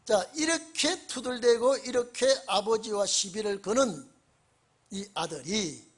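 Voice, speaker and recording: A male pastor giving an evening church sermon, emphatic and prodding his congregation with repeated questions, swinging between loud bursts and quiet low phrases. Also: animated, unhurried, husky. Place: church sanctuary during an evening service.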